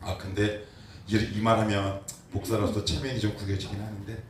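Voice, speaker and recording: A man's voice: on the low side, level tone, normal speed. A man preaching a sermon as pastor, putting rhetorical questions to the congregation with emphatic, rising delivery. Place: church sanctuary. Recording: echoey church hall, distant mic, faint noise.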